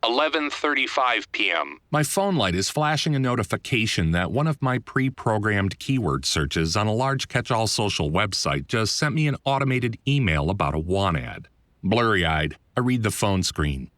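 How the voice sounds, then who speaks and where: A man narrates a first-person audiobook in a fairly low voice, recorded close and dry. His delivery is very lively in pitch, with a conversational, self-deprecating wit. It sounds like a polished scripted read that still talks directly to the listener. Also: normal speed, no echo. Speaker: audiobook narrator, author reading own book.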